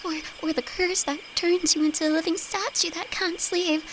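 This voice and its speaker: A woman's voice: extremely high pitch, steady tone, moderate pace. A woman acting a timid, affectionate young apprentice alchemist in an intimate audio roleplay, nervous, stammering and hesitant, speaking to her best friend. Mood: frightened rambling. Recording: insect and cricket noise behind voice. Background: night forest ambience with crickets.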